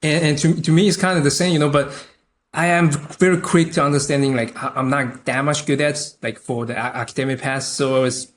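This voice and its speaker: A young man from Taiwan, a native Chinese speaker with a Taiwanese accent, chatting haltingly as a podcast guest with many restarts. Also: a little high, steady tone, slight background noise. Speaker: podcast guest, concept artist. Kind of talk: casual interview chat.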